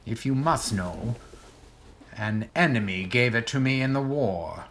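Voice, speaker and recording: Man playing a haughty, swooping wartime gentleman. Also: mid-range voice, lively intonation, unhurried, slight background noise. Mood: grave, philosophical. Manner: pompous, precise, formal diction. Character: haughty, private war-wounded gentleman, formal and indignant. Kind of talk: audio drama acting.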